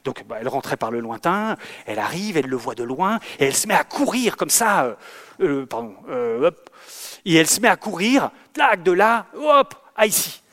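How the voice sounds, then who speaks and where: A fairly high-voiced man gives a talk about staging, telling stories from rehearsals with lively acted-out moments. He often hesitates and repeats words as he searches for the next phrase. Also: moderate pace. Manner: lively storyteller who acts out scenes. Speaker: theatre director. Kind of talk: lecture with anecdotes.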